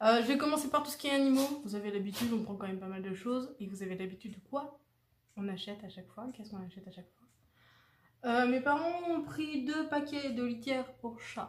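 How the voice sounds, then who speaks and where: Big swings in loudness, lively intonation and a fairly quick pace. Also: woman, high pitch for a woman. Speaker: YouTuber. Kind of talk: product haul vlog. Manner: hesitant, many fillers.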